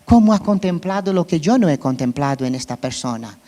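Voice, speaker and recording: This sermon comes from a Brazilian man preaching in Spanish with a Brazilian Portuguese accent, Portuguese being his first language, and the church has a big-room sound. Fairly quick and mellow, his voice runs on the high side with lively intonation as he talks conversationally and checks in with listeners.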